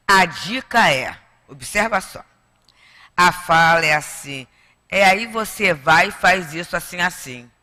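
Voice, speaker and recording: In the lecture hall of a spiritist center, a woman with a Brazilian Portuguese accent addresses an audience in a conversational manner, often tossing in tag questions. The space is large, and her mid-range voice has a sharp edge.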